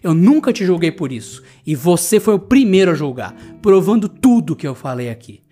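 A Brazilian man hosts his own podcast and vents in a profane, indignant monologue. His voice rises and falls dramatically as he makes his case. Soft music plays faintly in the background. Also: sits high, big pitch swings, brisk. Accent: Brazilian Portuguese. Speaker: podcast host. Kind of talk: solo podcast monologue, ranting anecdote.

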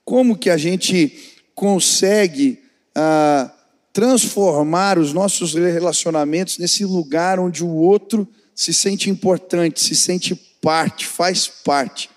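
A man's voice: high-pitched, slow. A man preaching a conversational sermon as a pastor, telling family anecdotes. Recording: church hall reverb.

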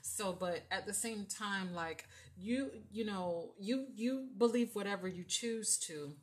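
A woman with a mid-range voice that carries, giving a relaxed tarot reading. She talks in a loose, chatty way and keeps checking in with the listener. The voice sounds like it demands attention. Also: mid-range voice, unhurried. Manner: chatty, filler-heavy, often asks "right?". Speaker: tarot reader. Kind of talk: casual spiritual reading.

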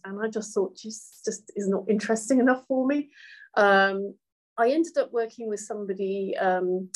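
A woman's voice: medium pitch, poor audio. A middle-aged woman who grew up in Hong Kong, talking thoughtfully in a casual interview, with many ums and uhs. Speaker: guest, hotel valuation executive.

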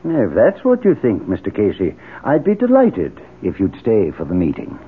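A suave, pompous leader of a secret society in a radio drama. His lowish voice rises and falls theatrically as he speaks in formal, lofty phrases. The recording is tinny, like a seventies broadcast. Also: huge pitch swings, breathy edge, full character voice. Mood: icy, challenged. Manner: formal, pompous, measured oratory. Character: imperious, suave male leader of secretive moral-crusade society. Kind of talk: 1970s radio drama acting.

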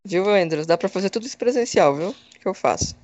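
A woman's voice: mid-range voice, expressive, brisk, darkish tone, highs cut off. A woman with a Brasília accent chatting casually in a teasing, assertive way. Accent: Brasília Portuguese. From Brasília, Brazil. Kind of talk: casual chat.

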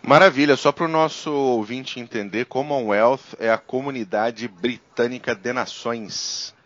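A man's voice: medium pitch, measured pace, fairly bright tone, muffled recording. A Brazilian man hosting a podcast, introducing segments and guests in casual talk. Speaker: podcast host.

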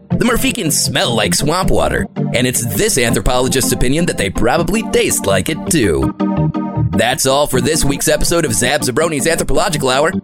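A man's voice: mid-range voice, natural voice. A man voicing a cheery, pompous alien anthropologist who presents an educational show in a mock-scholarly documentary tone and calls himself "this anthropologist.". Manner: chipper documentary-host delivery, mock-scholarly, refers to himself in the third person. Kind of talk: comedy audio drama acting.

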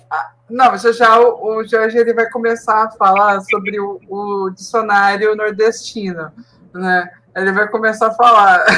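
Co-host: woman, Southeastern Brazilian accent, chatty and laughing, bright tone. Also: medium pitch, rough recording. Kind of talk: casual live podcast chat.

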